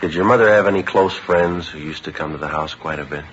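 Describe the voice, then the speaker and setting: A terse, deep-voiced police detective. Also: male voice, quick pace, fairly bright tone, a little hiss or hum. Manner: clipped, businesslike delivery. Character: terse, matter-of-fact male police detective. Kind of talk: 1950s radio drama acting. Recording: lo-fi vintage radio broadcast with music.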